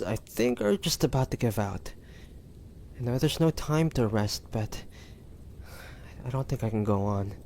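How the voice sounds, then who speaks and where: A man playing a wounded, devoted young demon hunter in an audio drama, speaking in a halting, breathy, pained way. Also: mid-range voice, darkish tone, slight background noise, lightly acted. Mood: exhausted, pained. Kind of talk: dramatic audio roleplay acting.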